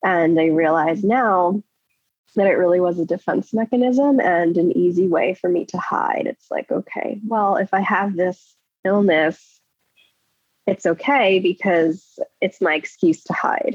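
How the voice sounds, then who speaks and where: Using an ordinary speaking voice, a woman talks at a fairly slow pace and medium pitch with ordinary pitch variation. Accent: American. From New York. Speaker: wellness coach. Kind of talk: interview.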